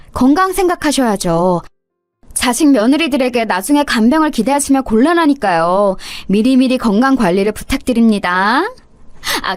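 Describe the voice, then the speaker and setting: A woman's voice: fairly high pitch, no room sound. A woman voicing a young, insolent daughter-in-law who talks back with sarcastic, mock-polite cruelty, for a radio story drama.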